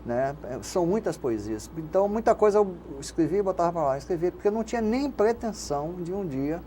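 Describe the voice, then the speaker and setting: A man's voice: high voice, lively intonation, fast, warm tone. An older man from Rio de Janeiro with a Carioca accent, a guest in an interview, talking reflectively and rambling, often tagging his sentences with a questioning word. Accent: Carioca Brazilian Portuguese. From Rio de Janeiro, Brazil. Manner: reflective, rambling with frequent "né?" tags. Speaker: guest, radio station manager and poet. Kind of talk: casual interview conversation. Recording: faint background noise.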